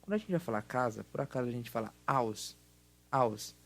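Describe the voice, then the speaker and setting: Gravelly Brazilian man teaching English. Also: medium pitch, expressive. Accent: Brazilian Portuguese. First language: Portuguese. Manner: patient, repeats words slowly to model pronunciation. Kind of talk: recorded online English lesson explaining grammar exercises.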